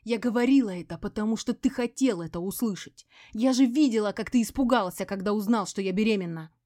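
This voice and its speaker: A woman reading an audiobook voices a furious, spiteful ex-wife who hisses and yells, her voice breaking into shrieks. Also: mid-range voice, a little fast, dry recording, clean studio sound, natural voice. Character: furious embittered ex-wife, spiteful poisoner, screaming.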